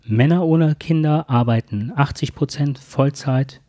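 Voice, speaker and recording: A man explaining things from notes in a conversation, with halting phrasing and formal wording. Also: medium pitch, mellow, no room sound. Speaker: podcast co-host.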